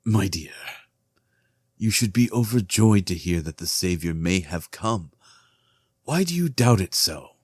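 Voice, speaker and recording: A very low, slow-spoken king played by a man for a fantasy audio drama. He is earnest and weary, with measured, formal phrasing and a dry, close recording. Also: animated, husky, no room sound, full character voice. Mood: gentle. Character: earnest, weary king, devoted husband and loyal friend.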